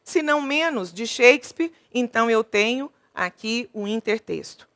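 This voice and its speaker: A woman's voice: a little high, lively intonation, fairly bright tone. A woman from Brazil teaching an exam-prep literature class, reading a sonnet aloud and counting its syllables for the students. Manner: slow and deliberate, counts syllables aloud, asks the class questions.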